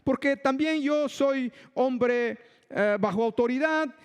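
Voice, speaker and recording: A male preacher giving a sermon, emphatic and slow, repeating his phrases for weight. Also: very high voice, clear, resonant tone, long reverb tail. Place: church hall.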